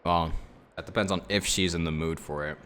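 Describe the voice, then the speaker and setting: A man's voice: low-pitched, steady tone, a little fast, noisy background. A man doing casual livestream game commentary, joking and blunt. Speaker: game streamer. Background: game music.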